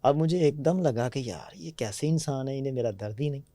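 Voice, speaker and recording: Pakistani guy w punjabi-tinged urdu accent, chatty storyteller, warm dark tone, dry close mic. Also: mid-range voice, dry recording. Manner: anecdotal, frequently asks "theek hai?" to check understanding. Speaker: podcast guest. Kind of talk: conversational storytelling.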